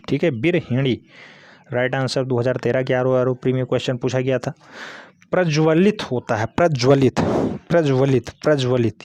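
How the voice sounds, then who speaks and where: A man's voice: mid-range voice, darkish tone, dry recording. A male teacher giving an exam-prep lesson, repeating each word several times and spelling it out letter by letter.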